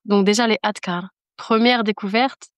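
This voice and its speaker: A woman's voice: mid-range voice, steady tone, moderate pace, no echo, clean studio sound. A woman speaking as a podcast guest in casual conversation, giving an earnest, emphatic personal testimony and repeating phrases for emphasis.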